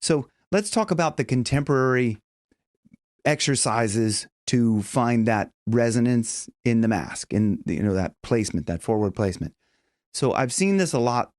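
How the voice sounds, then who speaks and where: A man's voice: medium pitch, animated, moderate pace, a little mellow, no room sound, clean studio sound. A middle-aged man giving an instructional voice lesson as a vocal coach, explaining things step by step. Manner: demonstrates with hums and sung tones. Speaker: vocal coach and professional singer.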